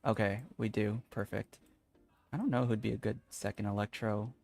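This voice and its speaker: A man's voice: fairly low pitch, fairly even intonation, normal speed, gravelly, a little mellow, soft background music. A man live streaming a video game, chatting casually and rambling as he thinks aloud. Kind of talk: casual gaming stream chat.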